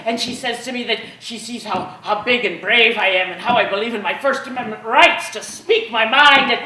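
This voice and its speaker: A woman voicing a brash, rowdy male mob leader with a rough folksy dialect, performing a one-woman historical story in an echoey hall. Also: fairly high pitch, moderate pace, sharp tone. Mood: boisterous. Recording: echoey hall, faint room noise.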